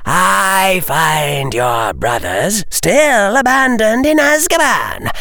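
A high, icy dark lord. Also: male voice, very animated, vocal fry, dry recording, heavily acted. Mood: cold menace. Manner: slow, icy, drops to hissing whispers. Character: cold, menacing male dark lord, high chilling voice. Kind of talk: audiobook character voice.

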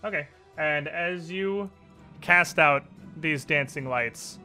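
A man narrating a tabletop role-playing game as game master, telling it deliberately and with suspenseful pauses. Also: fairly high pitch, bright, forceful tone, faint music behind.

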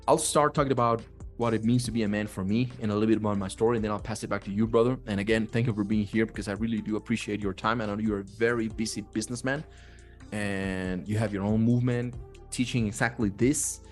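A man's voice: lowish voice, fairly even intonation, brisk. Blunt man hosting over music. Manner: blunt, swearing freely. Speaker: host of a talk on manhood. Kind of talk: casual motivational chat. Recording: music behind the voice.

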